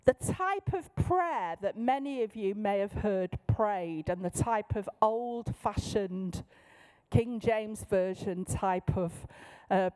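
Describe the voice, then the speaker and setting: A woman's voice: mid-range voice, a little mellow, clear, resonant tone, rough recording. A middle-aged woman with a Manchester accent gives an informal, down-to-earth Christian teaching talk to a group, checking in with her listeners. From Manchester, England. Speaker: Christian workshop leader.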